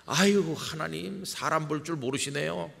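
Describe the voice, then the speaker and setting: A man's voice: a little high, expressive, moderate pace, vocal fry, bright, forceful tone, pitched above the performer's own voice, full character voice. A man voicing a flustered, self-doubting Moses, protesting in disbelief with a half-laughing tone. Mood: incredulous protest. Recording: long church hall reverb.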